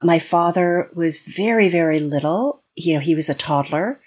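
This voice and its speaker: A woman's voice: fairly low pitch, normal speed, a little mellow, breathy edge. An American woman speaking as a guest on an interview podcast, explaining in an earnest way with frequent restarts. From United States. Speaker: guest expert.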